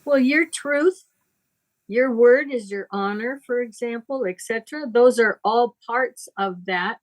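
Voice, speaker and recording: A woman speaking conversationally as a spiritual teacher, deliberate and emphatic, with a moralizing way of talking. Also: a little high, low-quality recording.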